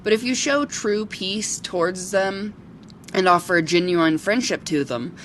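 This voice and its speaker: A woman playing a kindly local who befriends forest creatures in an audio drama, talking in a gentle, earnest, storytelling way. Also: medium pitch, measured pace, a little hiss or hum, natural voice, poor audio. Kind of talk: amateur audio drama acting.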